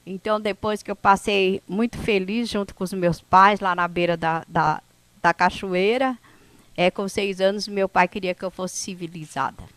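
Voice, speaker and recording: A woman from the São Paulo coast whose first language is a Brazilian indigenous language, telling her life story to an audience in an unhurried, conversational way. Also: mid-range voice, fairly even intonation, no room sound. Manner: unhurried, conversational, with frequent "né?" tags and restarts. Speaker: indigenous speaker at an event.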